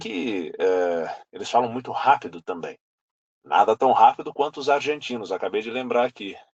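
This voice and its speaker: A man at a moderate pace with big swings in loudness, in dry, close sound with no echo. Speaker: voice actor. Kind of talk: interview answer.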